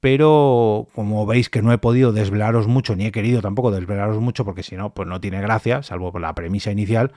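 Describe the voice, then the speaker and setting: A man with an accent from Spain speaks fast and barely pauses as he hosts and produces his solo podcast, talking conversationally and directly to his listeners. His lowish voice is warm and steady, recorded at studio quality without echo.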